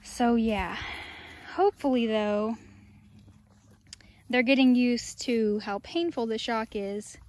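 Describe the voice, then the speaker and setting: A woman's voice: a little high, takes it slowly, pauses often, no echo. Young woman chatting outdoors on a farm. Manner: chatty, talks to the animals in a soft baby voice. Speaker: farm vlogger. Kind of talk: casual chat. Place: outdoors on a farm among animals. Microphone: phone camera, often held at arm's length. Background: farm animals and outdoor ambience.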